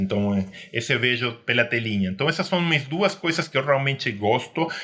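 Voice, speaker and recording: A man with an Argentine accent talks at a fairly quick pace, his tone bright and sharp and his intonation lively. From Argentina. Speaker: business executive. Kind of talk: podcast interview. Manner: hesitant, many fillers and repetitions.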